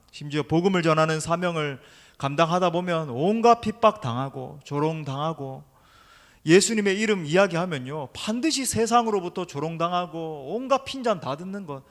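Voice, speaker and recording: Middle-aged male pastor, emphatic sermon delivery, slightly high voice, long church-hall reverb. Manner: emphatic preaching, addresses the congregation directly. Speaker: senior pastor. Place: church sanctuary during an evening service.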